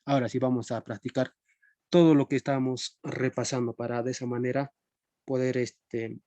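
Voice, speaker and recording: Mellow-voiced man teaching a class. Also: medium pitch, fairly even intonation, normal speed, no echo. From Peru. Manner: conversational, checks in with students often. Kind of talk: live-streamed philosophy class.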